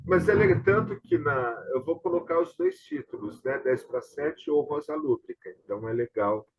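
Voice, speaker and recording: Recorded via dull, lo-fi video call, a Brazilian theatre director hosts a casual online discussion in a voice on the high side with a breathy edge, lively intonation and moderate pace. He explains things and often seeks agreement with tag questions.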